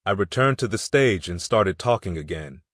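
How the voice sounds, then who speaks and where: A man's voice: low voice, expressive, normal speed, a bit bright, no room sound, studio quality. A man narrating a motivational audiobook in an earnest, emphatic way.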